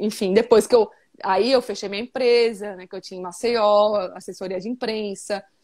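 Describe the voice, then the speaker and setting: Her loudness swings widely while her intonation stays fairly even. The woman speaks at a moderate pace with a medium pitch. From Brazil, Alagoas (Northeast). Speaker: yoga teacher. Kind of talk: interview, live video chat. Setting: live video call. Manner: halting, many repetitions.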